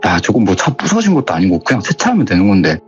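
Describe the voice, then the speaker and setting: A man's voice: low voice, wildly swooping pitch, fast, lo-fi sound, soft background music, voice pushed down. A man doing an anxious young country guy, pleading. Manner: pleading, reasoning with his friend.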